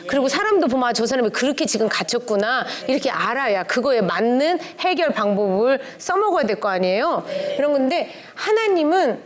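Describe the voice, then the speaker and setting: A middle-aged woman with a somewhat high voice teaches a church class in a relaxed, conversational way. She keeps things lively, slipping into different tones to act out bits of dialogue. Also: a little fast, few pauses. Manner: lively, acts out quoted dialogue with shifting tones. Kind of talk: conversational lecture on family relationships.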